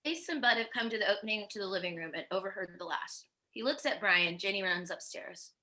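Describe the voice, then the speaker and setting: Woman narrator, bright clear-cut tone, medium pitch, reading screenplay stage directions. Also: fairly quick. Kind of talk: scripted narration at a virtual table read.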